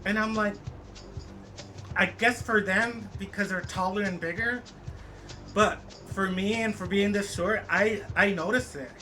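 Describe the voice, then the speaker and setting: A man in his late thirties rambles casually to his stream viewers as he cycles and plays, stopping and restarting with lots of fillers. His voice sits high for a man and sounds bright and forceful. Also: faint music behind. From United States. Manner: chatty, rambling, halting with many fillers. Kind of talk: casual chat with viewers while cycling and gaming.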